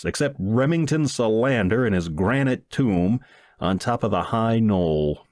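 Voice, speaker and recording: A man's voice: lowish voice, darkish tone, dry recording, clean studio sound. A man reading a humorous first-person short story aloud in the manner of a wry storyteller. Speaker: audiobook reader.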